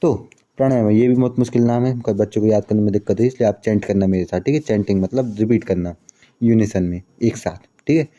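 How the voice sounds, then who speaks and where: A man's voice: fairly low pitch, quick pace, mellow. A young man teaching an exam-prep lesson in a chatty way, repeating key terms and slipping in English phrases. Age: young adult.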